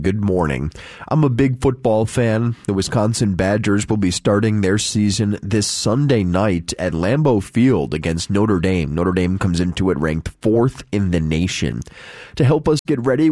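Local morning anchor: man, deep low voice, relaxed friendly read, dry close mic. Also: no room sound. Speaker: local morning news host. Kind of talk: news and weather reading. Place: radio studio.

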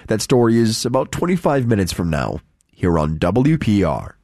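A man hosting local morning radio news, reading headlines and weather in a friendly, relaxed way. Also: on the low side, moderate pace, dry recording. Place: radio studio.

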